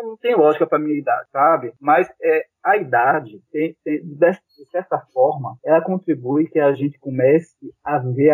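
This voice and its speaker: A man's voice: a little high, breathy edge, narrow, tinny audio. A man, talking reflectively on a podcast and often repeating words as he thinks. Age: 50s. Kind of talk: casual chat.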